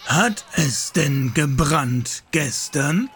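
Very slow, calm, firm priest. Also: male voice, fairly high pitch, faint music behind, heavily acted. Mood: calm, admonishing. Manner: measured, gently admonishing. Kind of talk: German radio play dialogue.

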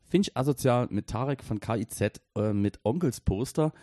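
Man from Dresden, thirties, casual podcast co-host, rambling and halting, mid-pitched, dry close sound. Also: lively intonation, dark tone, no echo. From Dresden, Germany. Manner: rambling, hesitant, many fillers and restarts.

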